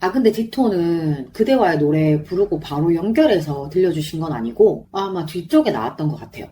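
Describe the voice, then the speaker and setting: A woman's voice: fairly low pitch, moderate pace, a little hiss or hum. A woman podcaster chatting solo in an effusive, fannish way about a show she attended, her throat sore and strained. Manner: effusive, animated fan talk. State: sore, strained throat after singing along. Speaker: podcast host. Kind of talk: chatty solo concert review.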